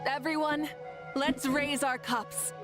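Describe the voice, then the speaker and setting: An actress playing a calm, caring female warrior leader in an anime game, confident, gracious and reassuring. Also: high-pitched, takes it slowly. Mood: celebratory. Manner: composed, reassuring. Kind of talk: anime game dialogue acting. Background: music.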